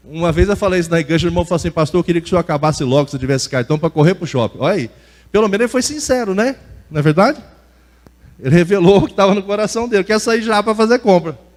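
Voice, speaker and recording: Here a man speaks in a high voice with lively intonation. He talks at a very fast pace. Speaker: pastor. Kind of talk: sermon. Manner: animated.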